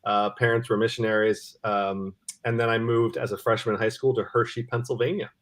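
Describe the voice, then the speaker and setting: A man's voice: fairly low pitch, little pitch movement, fairly quick, fairly bright tone. Eager man in his thirties. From Cameroon. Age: 30s. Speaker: guest, nonprofit CEO. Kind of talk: casual interview conversation.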